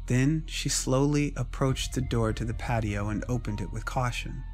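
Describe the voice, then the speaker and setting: Male narrator for scripted dramatic fiction; mid-range pitch, music bed underneath. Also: normal speed, darkish tone.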